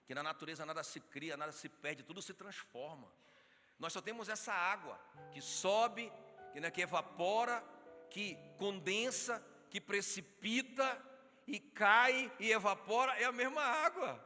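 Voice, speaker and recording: Brazilian pastor guy preaching, bright high voice, echoey church hall with soft music behind. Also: measured pace. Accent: Brazilian Portuguese. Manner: animated preaching, acts out quotes, calls on the congregation. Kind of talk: sermon.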